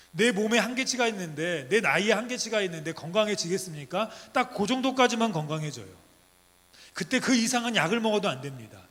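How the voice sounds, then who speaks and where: A man's voice: sits high, a bit bright. A middle-aged male pastor preaching a sermon in a church, emphatic and full of rhetorical questions. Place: church sanctuary. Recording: long church hall reverb.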